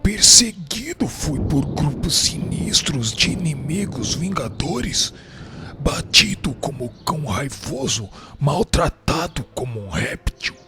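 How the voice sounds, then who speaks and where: Tormented, pleading dead sinner, wildly swooping. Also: male voice, a little high, sing-song, slow pace, music in the background, exaggerated voice. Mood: tormented, horrified. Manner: formal, florid, anguished pleading. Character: tormented, pleading male spirit of a dead sinner, pious and self-justifying. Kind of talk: melodramatic radio drama acting.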